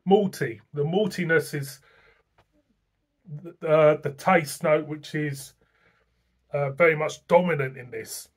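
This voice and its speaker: A middle-aged man talks through a tasting in a loose, chatty way. His voice sits a little high for a man. He is recorded on a desk camera in a small room at home. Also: takes it slowly, long pauses, husky. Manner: chatty, rambling, plain-spoken. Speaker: beer reviewer. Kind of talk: casual beer-tasting review to camera.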